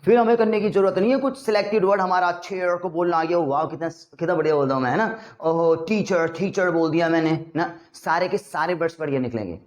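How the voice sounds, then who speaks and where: A man teaching English pronunciation in a chatty, teasing classroom manner, slipping English words into his talk. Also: high voice. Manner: drawls slow mock English sentences. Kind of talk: classroom-style spoken lesson.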